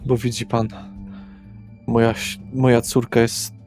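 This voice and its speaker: A man's voice: medium pitch, flat delivery, a little slow, darkish tone, soft background music, close to an everyday voice. A man acting an anxious, evasive middle-aged father who speaks hesitantly while looking for his child in a tabletop game. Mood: worried, halting. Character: stressed bearded father anxiously searching for his missing daughter.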